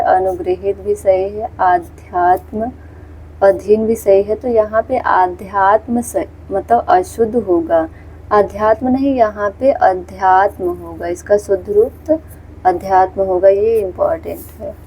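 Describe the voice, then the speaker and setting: A woman's voice: medium pitch, fairly even intonation, unhurried, dark tone, slightly rough, low-quality recording. A woman teaching a Hindi exam-prep lesson, patiently going through questions, repeating words and pointing viewers to the screen. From India.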